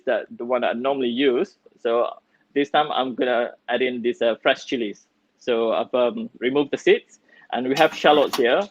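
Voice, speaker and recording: A man's voice: medium pitch, no room sound. Man, chef, cook-along over video call, chatty with fillers, muffled audio. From Malaysia. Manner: chatty, with many fillers and restarts, laughing easily.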